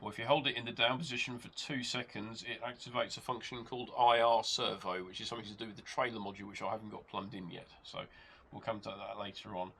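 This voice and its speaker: Stuffed up from a cold, a man hosting his channel calmly walks through a hobby gadget step by step from his home workshop as rain falls outside. His fairly low, creaky voice moves quickly but stays relaxed, with some hesitations, while rain and model engine noise sound in the background of this casual product demo.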